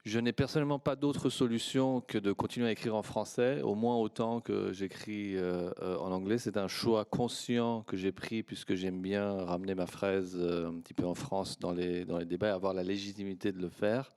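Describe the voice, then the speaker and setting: Low smooth voice, man on an academic panel, persian native, lots of hesitations, dry sound. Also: steady tone, darkish tone, no echo. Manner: measured, hesitant with many fillers and restarts. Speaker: panelist historian. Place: conference hall.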